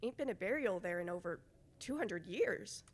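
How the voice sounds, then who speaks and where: A woman's voice: mid-range voice, lively intonation, moderate pace, natural voice. A woman playing an anxious, folksy New England villager with urgent delivery in an old-time radio drama. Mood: curious, uneasy.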